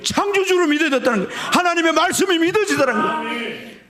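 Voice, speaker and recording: A man preaching a Sunday sermon as pastor, telling a story with sudden swings between loud high passages and low hushed ones. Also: expressive, fast talker, a crowd in the background. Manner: storytelling with sharp swings in pitch and loudness. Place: church sanctuary.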